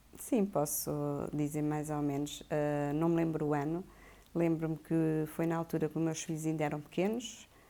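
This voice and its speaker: Her pitch is very deep and low, and her tone dark and mellow. The woman keeps a moderate pace with fairly even intonation. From Portugal, Leiria area. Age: 50s. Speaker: podcast guest sharing personal experience. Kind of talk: personal testimony in interview.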